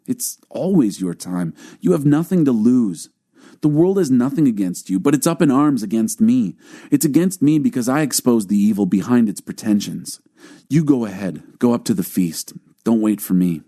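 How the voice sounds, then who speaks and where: A man's voice: on the low side, mellow. A man voicing a bold, challenging religious teacher with emphatic declarations in a dramatized scripture audiobook. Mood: firm, defiant.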